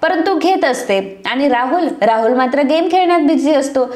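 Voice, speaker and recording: High-voiced woman retelling a story. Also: moderate pace, echoey room. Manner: steady, dramatic retelling. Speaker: serial recap narrator. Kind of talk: storytelling recap narration.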